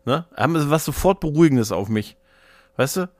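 A man's voice: a little high, animated, fairly quick, darkish tone, dry recording. A man in a casual, joking, colloquial podcast chat, telling anecdotes. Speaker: podcast host.

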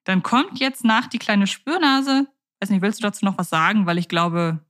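A woman's voice: medium pitch, animated, moderate pace, a bit bright. A woman co-hosting a podcast, talking in a chatty way and thinking aloud with fillers. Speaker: podcast co-host. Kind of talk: casual podcast discussion.

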